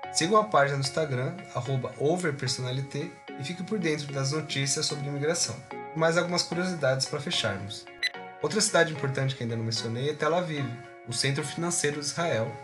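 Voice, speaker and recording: A man hosting a podcast, reading scripted narration and interviewing a guest in a brisk, upbeat presenter's voice. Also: on the high side. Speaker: podcast host. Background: music.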